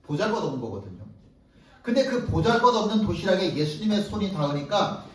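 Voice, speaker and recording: A man with a high voice preaches a sermon in a church hall. He tells the story in a lively way and slips into the voices of the people in it. The sound carries heavy echo and he stands some way from the microphone. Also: brisk. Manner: animated storytelling, acting out disciples' voices. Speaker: pastor. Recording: echoey hall, distant mic.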